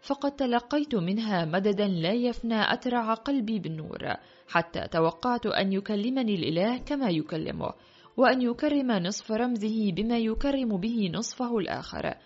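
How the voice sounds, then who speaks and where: A woman narrating a literary audiobook in a measured, reflective way. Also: on the high side, animated, a little mellow. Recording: dull lo-fi audio with faint music.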